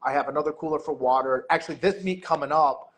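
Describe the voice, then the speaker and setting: A man's voice: on the high side, quick pace. A man talking casually as a podcast guest, rambling with lots of filler words. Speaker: guest, meet director and MC.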